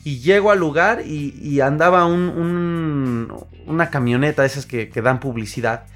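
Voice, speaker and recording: Animated Mexican man with faint music. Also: on the high side, normal speed. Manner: animated storyteller, acts out quoted voices, frequent fillers and restarts. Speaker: podcast host and singer. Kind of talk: casual monologue.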